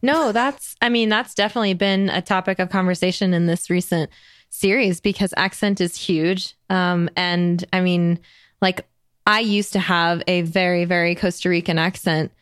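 A woman's voice: fairly low pitch, fairly even intonation, normal speed, clear, resonant tone, no room sound, clean studio sound. A woman hosting a podcast, chatting in a bubbly way with lots of fillers. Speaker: podcast host. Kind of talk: casual conversation.

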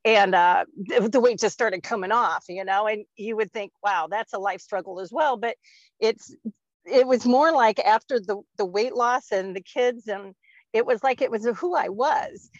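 Rambling along with lots of fillers and frequent laughs, a podcast guest in her fifties talks casually at a normal speed in a medium-pitched voice. The sound is dull, lo-fi, and dry, without echo.

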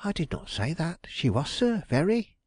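Up close and bone dry, a flustered middle-aged landlady chirps her answers high and fretful, as a man puts her on. She sounds anxious and aggrieved, quick to protest that she is innocent. It is a storybook character, nervously eager to please. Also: very animated, a little mellow, husky, dry recording.

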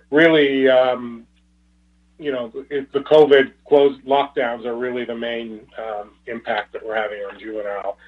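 A man speaking as a company executive on an earnings call, in a halting, hesitant way with repeated words. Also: mid-range voice. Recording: tinny narrow phone-line conference call.

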